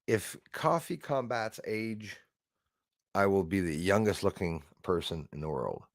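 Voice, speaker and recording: Older male streamer, 60s, lower register, rambling and friendly with chat, dry sound. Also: expressive, a little slow, no room sound. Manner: rambling, chatty, thanks viewers by name. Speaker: live stream host. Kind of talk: casual live-stream chat with viewers.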